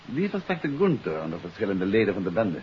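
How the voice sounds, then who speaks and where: An actor playing a confident detective who explains a case in an assured, emphatic way, in 1950s radio drama style. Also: male voice, fairly low pitch, very animated, brisk. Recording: dull, hissy 1950s radio recording.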